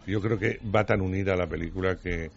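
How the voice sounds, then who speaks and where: A man commenting on film music and actors on a radio show, talking quickly with stammers and sticking to his opinions. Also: sits low, fairly even intonation. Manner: rapid, stammering, stubborn. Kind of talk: casual radio banter. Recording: dull lo-fi radio with faint music.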